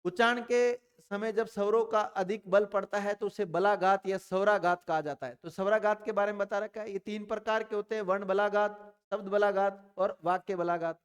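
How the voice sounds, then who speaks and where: A man's voice: sits high, fairly even intonation, moderate pace, few pauses, clear, resonant tone, big-room sound. A male teacher giving a grammar lesson, speaking straight to his students and answering his own questions. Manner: addresses students directly, repeats questions and answers them.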